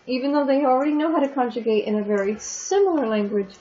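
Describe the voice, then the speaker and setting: A woman's voice: sits high, animated, fast, dark tone, dull audio. A woman teaching an online French lesson, patiently explaining textbook exercises and repeating examples. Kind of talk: recorded lecture walking through textbook exercises.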